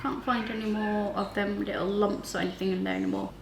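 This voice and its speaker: A woman's voice: medium pitch, little pitch movement, fast talker, creaky, background noise. A woman in her thirties hosting a casual cooking chat in a home kitchen, chatty and full of "like". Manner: chatty, uses "like" often. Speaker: cooking show host. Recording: roomy kitchen with faint ambience.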